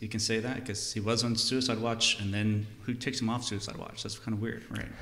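A man delivers his words fairly quickly, his intonation fairly even. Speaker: podcast host or guest. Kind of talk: casual podcast discussion. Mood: light, laughing at times. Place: studio. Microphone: studio mic.

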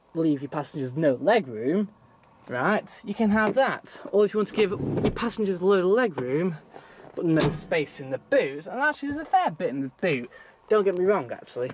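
A woman is speaking. The sound is dry with no echo, though noticeable background noise comes through. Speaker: car owner reviewing his car. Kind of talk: casual car review demo. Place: car. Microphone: phone near.

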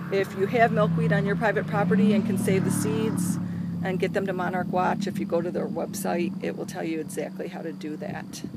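At a fairly quick pace, the voice comes through dry with no echo, set against loud background noise. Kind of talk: casual explanatory talk. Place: garden. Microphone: phone near.

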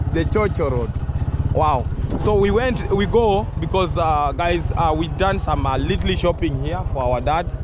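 The man talks fairly slowly. Background noise is noticeable throughout. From Tanzania, Shirati (Mara region, Lake Victoria). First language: Luo / Swahili. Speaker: vlogger. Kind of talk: casual vlog narration. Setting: outdoors.

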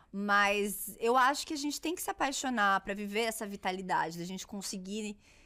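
Bright and sharp in tone, a woman talks at a moderate pace with hardly any pauses and ordinary pitch variation over a quiet background. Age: 30s. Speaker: podcast host. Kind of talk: casual chat. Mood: lively, humorous, frank. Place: studio. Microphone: studio mic.

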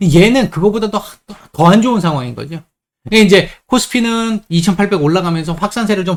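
A man's high-pitched voice with lively intonation and a fairly quick pace. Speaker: stock market YouTuber. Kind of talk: market commentary monologue. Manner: frequent filler hesitations.

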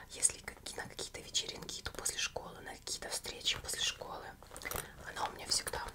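A soft-spoken woman whispers at a moderate pace over noticeable background noise. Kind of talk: roleplay chat to viewer. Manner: soft close-mic ASMR whisper. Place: home room. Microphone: phone near.

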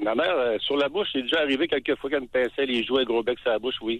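A man at medium pitch, talking very fast with hardly any pauses. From Quebec. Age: 50s. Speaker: caller. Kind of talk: phone-in call. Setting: phone call.

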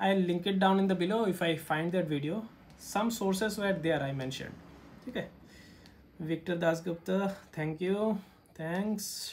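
A man with a high pitch talks at a fairly slow pace, leaving long, frequent pauses, with ordinary pitch variation and light background noise. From Tripura, India. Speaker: civil servant and exam coach; exam coach. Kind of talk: tutorial. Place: home room.

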